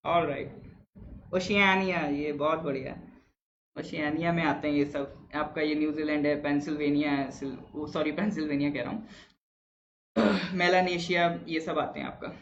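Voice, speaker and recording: A man's voice: a little high, a bit bright, dull audio, a little hiss or hum. A man teaching a live online exam-prep class, chatting with viewers, reading out their answers and quizzing them.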